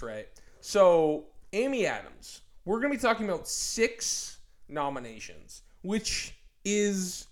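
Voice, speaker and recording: A man in his thirties co-hosting a podcast, chatting casually and teasing his co-host with deadpan sarcasm. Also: on the high side. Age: 30s. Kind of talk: casual banter.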